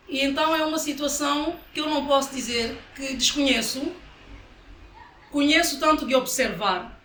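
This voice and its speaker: High-voiced woman from africa, slow careful talk, echoey room. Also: fairly bright tone, a little hiss or hum. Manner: deliberate, searching for words. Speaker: interviewee. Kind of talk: thoughtful documentary interview. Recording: echoey room, faint ambience.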